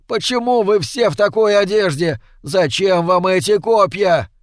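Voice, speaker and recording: A man doing a panicked lost soldier, high and loud. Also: a little slow, dry recording, studio quality. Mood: bewildered. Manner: agitated, pleading, confused. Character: frightened lost modern male soldier.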